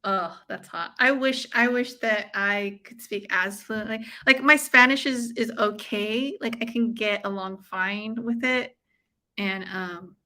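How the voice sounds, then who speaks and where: Speaking a little slowly, this American woman has a medium-pitched voice that sounds bright and forceful. As a watch-along host on a livestream, she keeps things informal and effusive, full of slang, mixing viewer chat with fight commentary.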